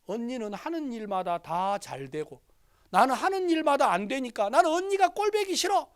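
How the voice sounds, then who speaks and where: A man acting out a dying young woman, a patient, who pleads and speaks with resentment in high outbursts. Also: very animated, moderate pace, clean tone. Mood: resentful.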